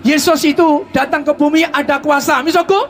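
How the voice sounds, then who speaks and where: A man's voice: very high voice, fairly even intonation, brisk, a bit bright, a little hiss or hum. A male pastor preaching with passion, sprinkling "so" through his talk. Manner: impassioned, repeats "so" often. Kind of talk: sermon with testimony. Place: stadium.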